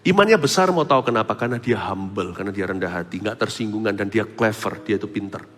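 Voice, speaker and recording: A man preaching a sermon as pastor, animated, swinging between loud exclamations and soft asides. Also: on the low side, fast talker. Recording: preaching hall with long reverb and faint music.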